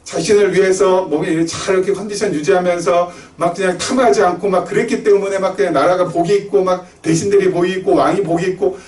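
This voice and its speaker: A middle-aged man preaching in a fairly high voice, keeping the congregation engaged with one rhetorical question after another. The sound is echoey, as in a church sanctuary, and he seems to stand back from the mic. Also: steady tone, quick pace, few pauses, a little mellow. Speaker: pastor. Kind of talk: sermon. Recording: roomy church echo, slightly distant.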